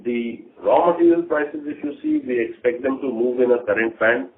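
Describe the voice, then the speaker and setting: A man speaking as a company executive briefing investors on an earnings call, talking deliberately in short, halting phrases. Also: medium pitch. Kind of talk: earnings call management commentary. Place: conference call. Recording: tinny phone line with faint noise.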